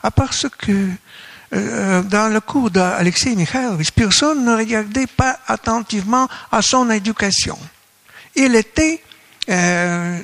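A man from Russia with a Russian accent gives a conference lecture in non-native French, halting as he searches for words. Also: high-pitched, creaky, fairly bright tone. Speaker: academic speaker at a colloquium.

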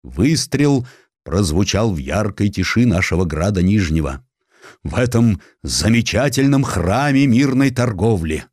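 A self-glorifying governor with a low, dry-recorded voice, performed by a male audiobook reader. He declaims with pompous grandeur, as if every sentence were an official oration. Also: lively intonation, a little slow, darkish tone, no room sound. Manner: grandiose, solemn oratory.

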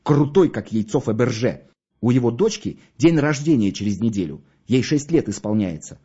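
A man voicing a young office schemer who rattles off plans in a hurried voice. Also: mid-range voice, lively intonation, warm tone, breathy edge, muffled recording. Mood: scheming. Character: pushy, fast-talking young male office schemer.

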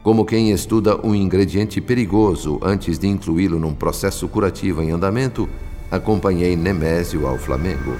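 Actor as solemn male storyteller, Brazilian accent, low voice, scripted radio drama narration, formal literary manner, long reverb. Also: moderate pace, mellow, close to an everyday voice. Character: solemn spirit narrator, grave and literary observer. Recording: long reverb under faint music.

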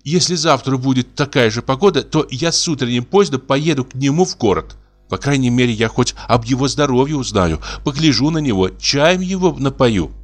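A man's voice: mid-range voice, expressive, fairly quick, voice pushed up, lightly acted. A man reading aloud and voicing a devoted young wife who speaks earnestly and pleadingly. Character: anxious devoted young wife, turning tearful.

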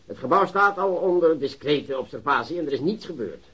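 An actor playing a pompous, commanding prosecutor briefing policemen in a radio drama. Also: male voice, fairly high pitch, expressive, a little fast, fairly bright tone, breathy edge, muffled recording. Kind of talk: Dutch radio drama acting.

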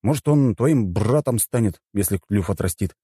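A man's voice: fairly low pitch, expressive, normal speed, dark tone, slightly rough, no echo, clean studio sound, pitched above the performer's own voice. A man voicing a cocky young nobleman in an audiobook, speaking in a casual, teasing, amused way.

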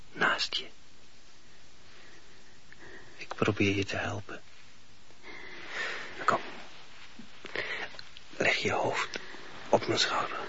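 Sharp-voiced, grave husband. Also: male voice, on the low side. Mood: worried, coaxing. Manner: measured, formal, grave. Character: stern, anxious, devout husband, disapproving of a preacher. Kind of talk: Dutch radio play acting. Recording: dull, noisy old radio play tape.

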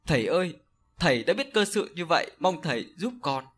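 A man's voice: a little high, big pitch swings, a little fast, fairly bright tone, husky, full character voice. A man doing a terrified guilty man. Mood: desperate. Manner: pleading, panicked.

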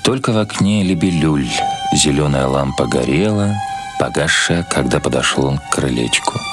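A man reading scripted literary prose as the narrator of a radio production. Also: very deep voice. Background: loud music.

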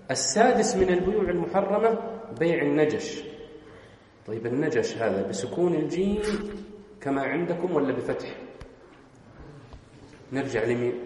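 A man teaching Islamic law, walking his students through each point and firing questions back at them. His voice rings out with heavy echo and a long reverb tail, over a faint steady hiss. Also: medium pitch. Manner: explanatory, quizzes students with questions. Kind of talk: classroom lesson. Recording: very echoey hall.

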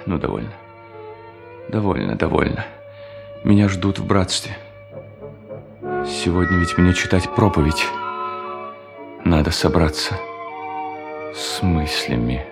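Guilt-ridden self-hating hermit preacher, dramatic declaiming, radio play, some music under it. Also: male voice, sits low, lively intonation, slow, gravelly, long pauses, exaggerated voice. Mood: resigned. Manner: theatrical, declamatory, repeats words for emphasis. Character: tormented, self-loathing hermit preacher, a man full of guilt. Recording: music behind the voice.

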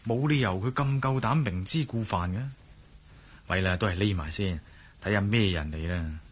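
A man's voice: lowish voice, a bit bright, slightly rough. An actor in a Cantonese radio drama playing a wry, level-headed adventurer who mutters his thoughts aloud, with a Cantonese accent. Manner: wry, muttering inner monologue. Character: wry, cool-headed male adventurer hero. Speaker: lead and narrator of his own thoughts.

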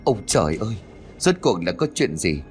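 A man's voice: sits low, sing-song, normal speed, faint music behind. A man voicing a grieving old grandmother who pleads and wails in a storybook reading. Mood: anguished. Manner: wailing, pleading.

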